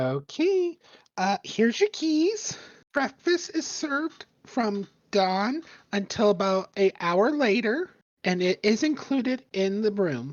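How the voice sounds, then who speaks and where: Using a put-on character voice, the speaker goes at a fairly slow pace with a fairly high pitch and very wide pitch swings. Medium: actual play. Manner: friendly, accommodating.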